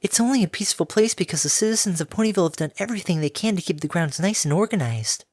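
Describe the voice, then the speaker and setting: Sweet breathy pony lady, soft and kind, way higher up, a guy doing her voice, dry sound. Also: lively intonation, fast talker, dry recording. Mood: gentle somber. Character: gentle soft-spoken kindly female pegasus pony.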